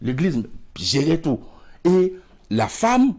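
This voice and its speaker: Recorded on a lapel mic in a TV studio, the guest is a middle-aged emigration expert with a West African French accent. He speaks slowly in a darkish voice that sits on the high side and swings widely in pitch. His gestures are wide, and he stumbles over repeated words.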